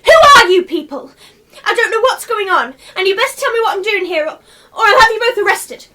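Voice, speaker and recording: A woman's voice: extremely high pitch, expressive, brisk, bright, forceful tone, full character voice. A woman playing a bewildered, indignant and prim journalist in a radio play, insistently questioning. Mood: panicked, outraged.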